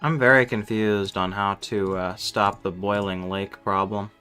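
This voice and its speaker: A man doing casual, unscripted game commentary on a stream, thinking out loud and swearing freely. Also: fairly low pitch, fairly even intonation, a little slow, clean tone, soft background music.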